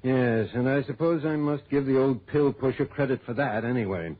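A man's voice: medium pitch, moderate pace, breathy edge, close to an everyday voice. An actor playing an opinionated, folksy male client who insists on his suspicions, in 1960s radio drama style. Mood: insistent. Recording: tinny old radio broadcast.

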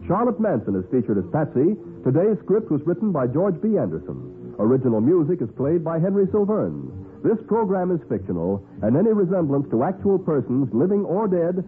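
A man's voice: fairly high pitch, narrow, tinny audio. A man announcing in a scripted 1940s radio style, formal and polished. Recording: band-limited 1940s radio broadcast.

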